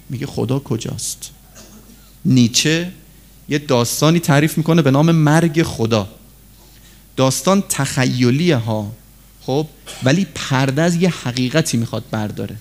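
A man preaching a religious sermon, emphatic, with rhetorical questions and a shifting pace. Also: medium pitch.

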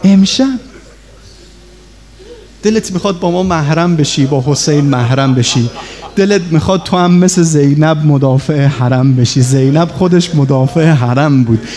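A man's voice: on the high side, mellow. A man preaching an emotional religious sermon, pleading with and speaking straight to his congregation. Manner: fervent, pleading, addressing listeners directly.

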